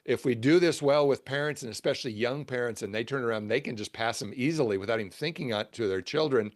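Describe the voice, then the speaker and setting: A man's voice: medium pitch, quick pace, dry recording, clean studio sound. A middle-aged man, a guest author and church trainer, giving enthusiastic explanatory answers and often restarting his sentences. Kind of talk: interview answers.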